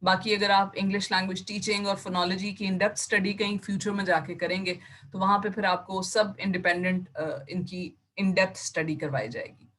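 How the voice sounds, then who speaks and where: A woman's voice: medium pitch, steady tone, moderate pace, a bit bright. Woman teacher explaining patiently. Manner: explanatory, mixes English terms into Urdu. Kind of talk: online class lecture. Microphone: computer mic on a video call.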